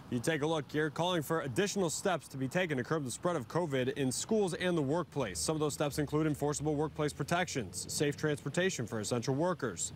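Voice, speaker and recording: A man delivering a scripted live news report from a city location outdoors. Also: on the high side. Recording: faint outdoor traffic noise.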